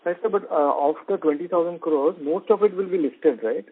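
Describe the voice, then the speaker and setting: A man's voice: fairly high pitch, fairly quick, breathy edge. A man asking questions as an analyst on an earnings call, phrasing them tentatively. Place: conference phone call. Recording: thin phone line.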